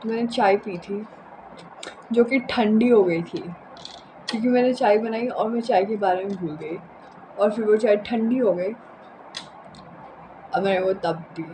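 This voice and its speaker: A young woman with a hoarse, sore throat chats casually and unscripted in a rambling home vlog, mixing in English words. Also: medium pitch, unhurried, long pauses, background noise. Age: young adult. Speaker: vlogger. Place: indoors in a room at home.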